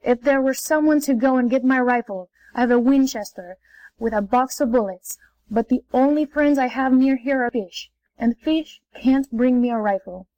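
A woman's voice: high-pitched, mellow, no echo, lo-fi sound, close to an everyday voice. A woman voicing a weary stranded man who speaks sadly and thoughtfully, in a storybook reading. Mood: musing. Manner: sad, slow and musing.

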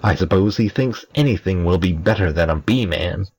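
A man voicing a tiny, lively male imp who teases and mocks, with a husky voice. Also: sits low, normal speed, heavily acted. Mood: mocking. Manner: teasing, mocking.

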